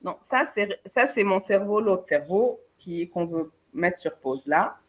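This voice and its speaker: A woman, a career coach and trainer giving a lively webinar talk, speaking straight to her participants and acting out her examples. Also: mid-range voice, a little slow. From Algeria. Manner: lively, addresses participants directly, acts out examples. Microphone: video call. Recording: dull lo-fi online webinar audio.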